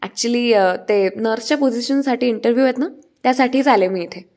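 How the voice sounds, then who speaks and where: An anxious young woman pleads for a job interview and apologizes again and again, read out by a woman narrator. Her voice sits a little high, with a plain everyday tone. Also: moderate pace, darkish tone, natural voice. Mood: pleading.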